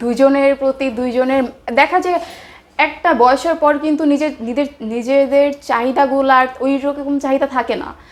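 A woman's high voice with fairly even intonation. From Bangladesh, Khulna. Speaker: interviewee. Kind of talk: interview.

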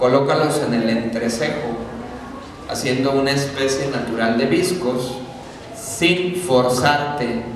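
A man speaks at a very slow pace with ordinary pitch variation. Strong room echo and noticeable background noise fill the recording. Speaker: workshop facilitator. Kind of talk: guided meditation talk to an audience. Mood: calm, guiding. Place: hall.

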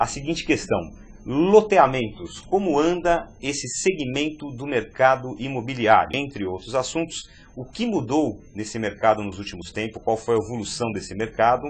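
Moderate-paced speech from a man, marked by big swings in loudness. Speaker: TV show host. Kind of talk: show introduction. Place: studio.

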